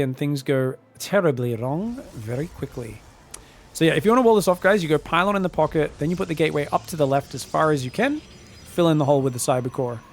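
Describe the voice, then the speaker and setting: Gravelly-voiced excitable caster. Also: male voice, fairly high pitch. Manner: excitable, shouts on big plays, then breaks down mistakes. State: phlegmy after being sick. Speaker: esports caster. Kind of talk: solo game commentary.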